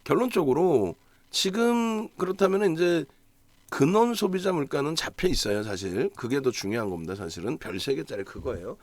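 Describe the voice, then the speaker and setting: Guy doing a market chart breakdown, lively up and down delivery, dry close sound, keeps asking the viewers things. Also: on the high side, normal speed, no echo. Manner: emphatic, rhetorical questions, frequent "어?" prompts. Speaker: stock market commentator. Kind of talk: solo market analysis broadcast.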